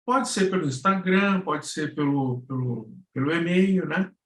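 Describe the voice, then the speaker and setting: A man with a Brazilian accent giving a casual explanation as a guest, halting and searching for words, in an echoey room. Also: a little high, a bit bright. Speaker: guest presenter, radio drama producer, cultural policy consultant.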